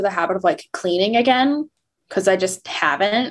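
A woman speaks in a plain, everyday voice. Her pitch is fairly high and her intonation lively. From Iowa. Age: 20s. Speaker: photographer. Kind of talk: casual chat.

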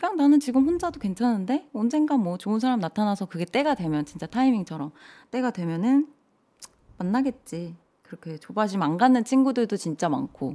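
A woman's fairly high-pitched voice with a dark, mellow tone and very wide pitch swings, on a very clean recording over a silent background. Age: 30s. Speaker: fashion model. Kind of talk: casual chat.

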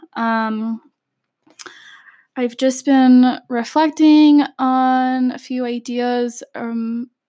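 On a very clean recording with a silent background, a woman speaks very slowly in a high, monotone, flat voice with long, frequent pauses. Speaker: podcast host. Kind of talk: solo podcast monologue. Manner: hesitant, many fillers.

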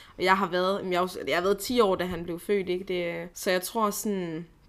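At a moderate pace, a woman with a normal speaking voice talks at a medium pitch with fairly even intonation, on a very clean recording with a silent background. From Denmark, rural village. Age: 20s. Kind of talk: casual chat.

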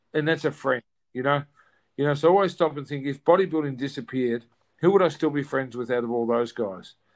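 A man with an Australian accent talks at a very fast pace in a fairly high pitch, with ordinary pitch variation. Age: 50s. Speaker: gym owner and bodybuilding figure. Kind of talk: podcast interview.

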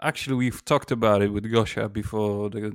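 The recording is very clean, with a silent background. A man speaks in a fairly low voice with a Polish accent. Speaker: podcast host interviewer. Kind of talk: casual interview conversation.

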